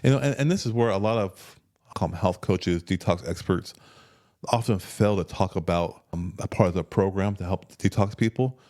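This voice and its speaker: A man in his fifties talking casually as a health coach, relaxed and repeating words as he thinks. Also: low-pitched, normal speed. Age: 50s. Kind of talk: casual conversational health talk.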